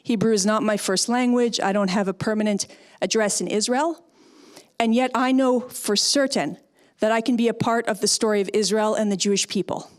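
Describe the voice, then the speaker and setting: A woman's voice: medium pitch, moderate pace. A middle-aged woman from Canada, a former speechwriter, giving an emphatic, persuasive talk and answering audience questions. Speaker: guest speaker, former speechwriter.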